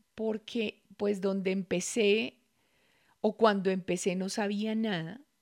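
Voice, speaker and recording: Very slowly, a woman speaks in a very clean recording with a silent background. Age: 40s. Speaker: leadership coach. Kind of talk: podcast monologue. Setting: indoors by a window.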